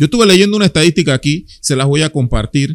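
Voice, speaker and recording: In a plain, everyday voice, a man speaks at a fairly high pitch with lively intonation, the sound dry and close with no echo. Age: 40s. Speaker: podcast host. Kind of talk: panel discussion.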